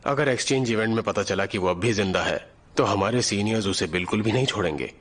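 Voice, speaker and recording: A man voicing a serious teenage student in an anime fan dub, speaking in a flat, matter-of-fact way. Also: lowish voice, fast talker.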